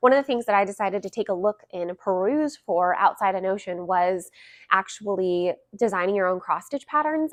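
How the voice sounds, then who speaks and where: Over a dry, close sound with no echo, a woman speaks at a medium pitch. Her pace is fairly quick and her pitch varies in an ordinary way. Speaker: cross-stitch vlogger. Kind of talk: sponsored segment in casual vlog. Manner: fast.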